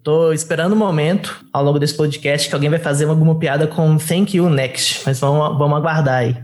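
Man, podcast host, a bit high-pitched, joking, asks questions. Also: brisk. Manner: playful questions, joking asides. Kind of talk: casual podcast hosting.

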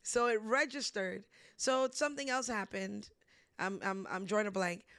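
Animated woman sharing faith stories. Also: medium pitch, normal speed, no echo, studio quality. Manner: animated storytelling, laughs often. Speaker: ministry host. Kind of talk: casual faith discussion.

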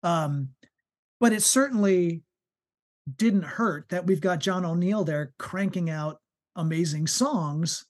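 Guy, high-ish voice, rambling musician stories, lots of "you know" and restarts. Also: slow. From United States. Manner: animated storyteller, frequent fillers and restarts. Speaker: musician guest. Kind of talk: casual interview chat.

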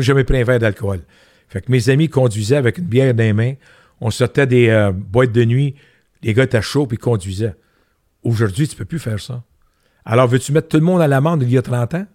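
A man's voice: mid-range voice, a little mellow, dry recording, studio quality. An older man with a Québécois French accent, a guest giving candid interview answers and telling anecdotes with emphatic repetitions.

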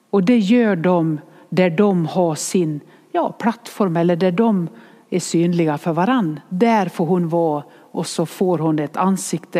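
Woman, warm dark voice, gentle reflective storytelling, thoughtful asides, long hall reverb. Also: on the low side. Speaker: speaker retelling a story.

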